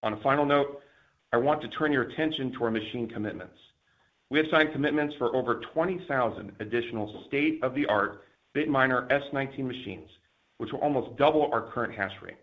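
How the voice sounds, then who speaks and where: A man giving a scripted, formal and measured financial presentation as a company executive on an earnings call. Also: medium pitch. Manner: formal, measured corporate delivery. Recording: dull, lo-fi conference call audio.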